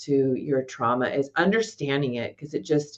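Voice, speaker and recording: A woman speaks with a very deep, low pitch. Her pace is moderate and her pitch variation is ordinary. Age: 60s. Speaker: podcast host and trauma survivor sharing her story. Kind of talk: interview, personal testimony. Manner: hesitant, many fillers.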